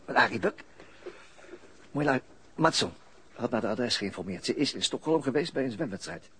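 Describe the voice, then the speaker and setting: An actor playing a weary, thoughtful police detective in a radio drama, with a hesitant, halting way of talking. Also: male voice, mid-range voice, animated, a bit bright, lightly acted. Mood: pensive, puzzled. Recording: noisy archived radio drama recording.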